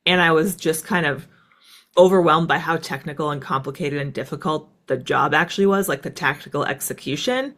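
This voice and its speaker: A woman's voice: low voice, fairly quick, fairly bright tone. An American woman talking as an interview guest in a casual, reflective storytelling style, often dropping in "like" and "right.". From United States. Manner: conversational, peppered with "like" and "right". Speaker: interview guest, former military fighter pilot.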